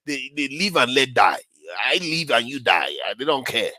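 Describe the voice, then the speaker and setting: Lively Nigerian man with a bright voice. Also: mid-range voice, normal speed, no room sound, clean studio sound. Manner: lively, chuckling, talks over others. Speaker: host. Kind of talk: casual panel chat.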